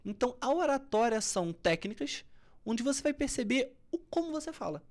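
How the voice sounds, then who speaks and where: Her voice sits high and her pace is brisk as this Brazilian coach discusses public speaking on a podcast. To show what tone of voice can do, she swings expressively between forceful, loud emphasis and quiet, almost whispered lines.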